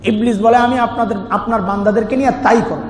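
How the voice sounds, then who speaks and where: A man's voice: very high voice, steady tone, fast. A Bangladeshi man preaching an Islamic sermon, explaining scripture in an emphatic, conversational way with rhetorical questions. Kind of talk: sermon explaining scripture with recitation and everyday analogies. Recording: echoey reverberant hall with background noise.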